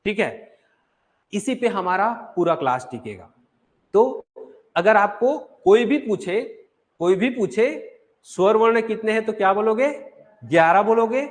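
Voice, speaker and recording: A man with a fairly high voice teaches an exam-prep class. He explains step by step, asks his students questions and then answers them himself. slip into his sentences now and then. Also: animated, measured pace. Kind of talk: online class lecture.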